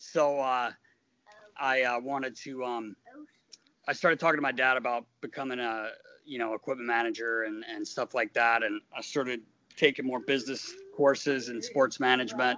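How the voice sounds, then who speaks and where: An ordinary speaking voice comes through with fairly even intonation. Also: man, medium pitch for a man, moderate pace. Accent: American. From US South, North Carolina. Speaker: hockey equipment manager. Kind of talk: interview.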